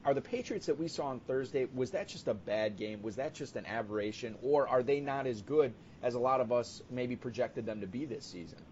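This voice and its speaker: A man's voice: a little fast, few pauses, darkish tone. A man hosting a sports talk show, asking questions in a conversational way. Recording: dull audio with noisy rumble.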